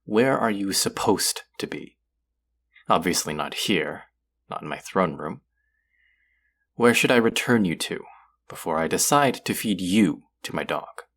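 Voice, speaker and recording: An actor playing a stern, haughty god of the underworld in an audio roleplay, speaking formally with an exasperated, grudging manner. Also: male voice, low-pitched, animated, measured pace, pauses often, fairly bright tone, exaggerated voice. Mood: irritated, commanding. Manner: imperious, exasperated, formal speech with sighs. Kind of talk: scripted character audio roleplay.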